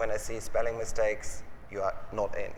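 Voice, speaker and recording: A man with a German accent at a moderate pace, with audible room echo. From Germany. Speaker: fashion magazine editor. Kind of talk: panel interview at an event. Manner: halting.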